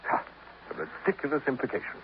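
A man's voice: quick pace, close to an everyday voice. A man playing a grandiloquent eccentric who lectures squirrels in florid, theatrical speech, in 1950s radio drama style on an old recording. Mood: scornful. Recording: dull old radio transcription, faint hiss.

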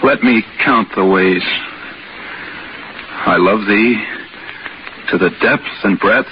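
An actor playing a devoted, earnest husband in a 1940s radio thriller. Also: male voice, on the low side, slow pace, noisy background. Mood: halting, tender. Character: devoted, desperate husband pleading to be believed. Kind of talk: 1940s radio drama acting. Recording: muffled 1940s radio recording, music behind.

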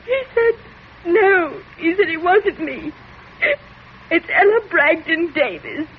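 A terrified young daughter, her voice trembling and tearful. It sits very high. The sound is thin and tinny with a faint hiss, like an old radio broadcast heard down a line. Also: expressive, takes it slowly, heavily acted. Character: frightened, hysterical young woman, trembling daughter. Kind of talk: 1940s radio drama acting.

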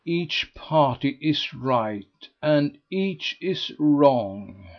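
A man voicing a regal, composed older society matron who speaks in measured, judicial, dry tones. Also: on the high side, expressive, lo-fi sound, pitched above the performer's own voice.

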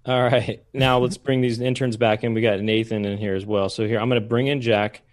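A man's voice: medium pitch, fairly even intonation, a little fast. A man co-hosting a podcast, chatting informally and introducing people on a video call. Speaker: podcast co-host.

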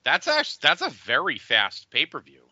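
A man's voice: on the high side, wildly swooping pitch, normal speed, pushed and bright, dry recording, dull audio. A man co-hosting a podcast in casual, joking banter, often breaking into his own sentences. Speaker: podcast co-host.

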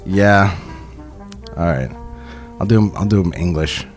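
A man's voice: low-pitched, unhurried, music in the background. A man hosting a casual comedy podcast, joking and swearing as he reads through a script with friends. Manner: joking, profane, laughs often.

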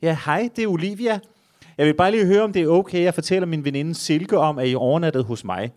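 A man's voice: on the high side, darkish tone, close to an everyday voice. A man voicing a sweet, shy teenage girl on the phone, in a raised, girlish reading voice while reading a story aloud.

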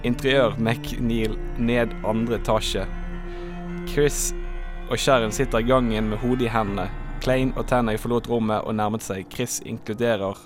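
A man reading narration aloud in a halting, uneven way. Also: medium pitch, steady tone, music in the background. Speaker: narrator of a script read.

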